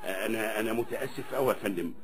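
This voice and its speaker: A man's voice: fairly low pitch, very fast, natural voice. A man with an Egyptian accent playing an obsequious, easily flustered cashier clerk in a radio drama. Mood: flustered, apologetic.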